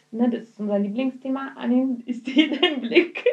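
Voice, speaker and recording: A woman speaks with a somewhat breathy voice. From former Soviet Union. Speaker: podcast co-host. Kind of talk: casual chat. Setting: studio, hosts sitting apart.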